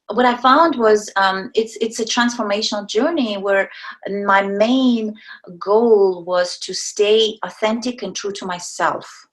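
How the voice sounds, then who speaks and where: Using a Russian accent, a woman with a fairly high pitch talks at a fairly slow pace with ordinary pitch variation. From Kazakhstan. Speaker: entrepreneur and speaker. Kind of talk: podcast interview. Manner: halting, many fillers.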